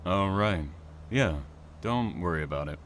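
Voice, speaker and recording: A man's voice: low voice, expressive, a little slow, a bit bright. An actor playing a reserved, bookish male train driver in an audio drama, speaking in a hesitant, dry manner. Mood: awkward, modest. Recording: station ambience noise behind voice.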